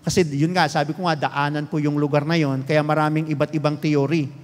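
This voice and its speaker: A middle-aged Filipino man preaching a lively sermon as pastor, often asking the congregation to respond. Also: a little high, a little fast, big-room sound. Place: church hall.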